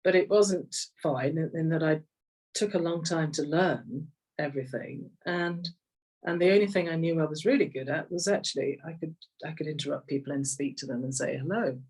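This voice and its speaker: A woman's voice: low voice, normal speed, darkish tone, slightly rough, far from the mic, poor audio. A middle-aged woman with an English accent tells personal stories conversationally, reflective and repeating phrases for emphasis. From Kenya, later rural England. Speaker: interview guest, executive coach.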